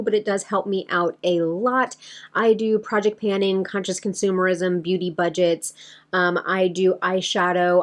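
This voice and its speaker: A woman talking casually to her viewers as a beauty vlogger, in a chatty, rambling way that addresses them directly. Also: on the low side. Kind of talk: casual chatty vlog to camera.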